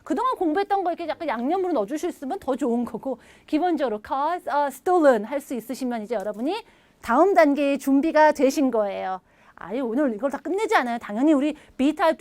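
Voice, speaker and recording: A high-pitched woman delivers an English grammar lesson with animated energy, coaxing students to repeat sentences after her. The sound is dry and close, with no room behind it. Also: no echo. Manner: lively, animated, leads repeat-after-me drills; acts out little dialogue lines in playful voices. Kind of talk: recorded video lecture.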